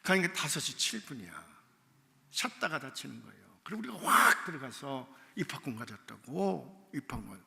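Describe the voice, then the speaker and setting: Pastor guy preaching, gravelly bright voice, acts out all the parts, reverby church hall. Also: mid-range voice, very animated, normal speed. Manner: acts out dialogue with shouted and crying voices. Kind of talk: revival sermon storytelling. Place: church sanctuary.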